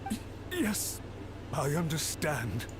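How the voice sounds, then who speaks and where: A man's voice: a little high, huge pitch swings, slow, music in the background, heavily acted. A man voicing an anxious, servile official in a video game, humbly deferential and pleading. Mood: cowed, grateful.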